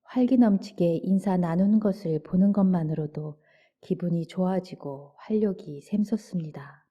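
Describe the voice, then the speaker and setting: A woman reading a book aloud as a calm bedtime narration, in a soft, gentle voice that sometimes drops close to a whisper. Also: on the low side, moderate pace, husky. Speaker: audiobook narrator. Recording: dull lo-fi audio.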